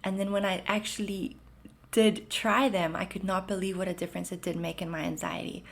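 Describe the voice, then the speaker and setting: A woman in her thirties from South Africa, with a South African accent blended with Canadian, hosting a solo podcast in a gentle, reassuring and chatty way, full of "like" and "um". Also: fairly low pitch, level tone, brisk, gravelly. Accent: South African mixed with Canadian. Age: 30s. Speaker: podcast host. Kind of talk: casual solo podcast talk.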